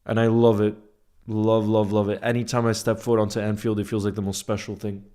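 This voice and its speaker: A man with a fairly low voice hosts a football fan livestream. He talks casually and informally, reads comments from viewers and replies to them directly. He often repeats a phrase to drive it home. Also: flat delivery, a little fast, mellow.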